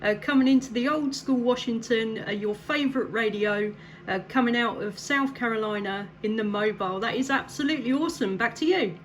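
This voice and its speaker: A woman's voice: a little high, fairly quick. A woman CB radio operator making casual contact chat in an upbeat, encouraging way. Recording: clear background noise.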